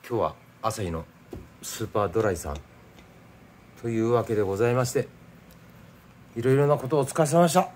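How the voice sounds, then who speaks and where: A man's voice: medium pitch, a little fast, long pauses, a little mellow, slight background noise. A middle-aged man with a Nagasaki accent, chatting easily at home as he eats and drinks, and stopping to explain local words. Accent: Nagasaki dialect. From Nagasaki, Japan. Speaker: home food vlogger. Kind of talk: casual chat while eating and drinking.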